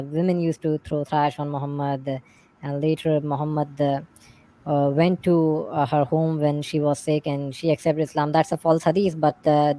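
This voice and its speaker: Low, mellow South Asian woman speaking haltingly. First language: Urdu. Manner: halting, repetitive English with word searching. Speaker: livestream panel guest. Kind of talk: unscripted livestream talk.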